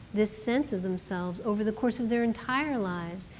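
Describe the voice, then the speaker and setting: Audible room echo carries a woman's fairly high-pitched voice with ordinary pitch variation. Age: 60s. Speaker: psychologist giving a talk to parents. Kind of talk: lecture to parents. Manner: animated, acts out voices.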